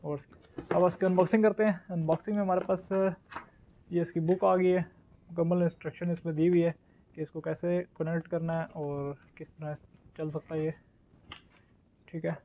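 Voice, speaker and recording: A man's voice: a little high, level tone, moderate pace, long pauses, dark tone, highs cut off. A man with a Pakistani accent narrating a casual product unboxing and demo as the presenter. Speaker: shop's product reviewer and presenter.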